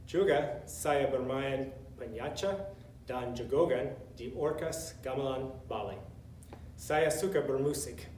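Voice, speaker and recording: A man from the United States with an American accent, a non-native speaker deliberately giving a prepared self-introduction. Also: medium pitch, darkish tone. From Indiana, United States. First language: English. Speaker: language student. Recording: roomy, distant mic, faint noise.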